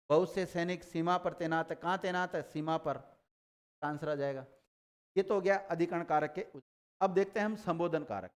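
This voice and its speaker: A man teaching a grammar lesson, explaining rules and quizzing students with quick repeated questions. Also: high voice, clean tone.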